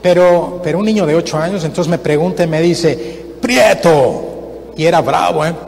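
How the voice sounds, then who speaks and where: A man, a guest missionary, preaching a sermon and telling a story with lively acted-out voices in a church. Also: on the high side, fairly quick, gravelly. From Mexico. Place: church sanctuary. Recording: reverberant church hall, faint noise.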